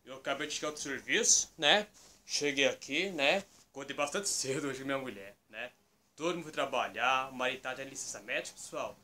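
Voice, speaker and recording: A man's voice: medium pitch, brisk, bright, forceful tone, slight background noise, close to an everyday voice. A man with a Brazilian accent playing a talkative toy bull who hosts an improvised puppet skit, rambling and often appealing to the viewers. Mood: chatty. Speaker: host.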